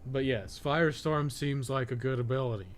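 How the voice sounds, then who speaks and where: A man's voice: medium pitch, normal speed. Casual man streaming over background noise. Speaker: video game streamer and podcast co-host. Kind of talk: casual live game stream commentary.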